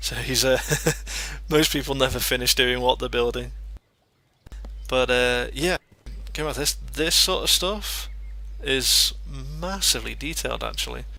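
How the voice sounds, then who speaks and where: A man with a Liverpool accent talks at a moderate pace, stopping often for long pauses. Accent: mild Liverpool. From England, Liverpool. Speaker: game streamer. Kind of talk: live stream game walkthrough commentary. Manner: casual, many fillers and hesitations.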